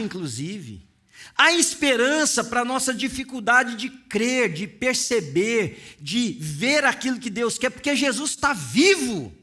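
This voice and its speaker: Bright, high-voiced impassioned preacher man. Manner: impassioned, dramatic, acts out scenes. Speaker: pastor. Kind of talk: sermon.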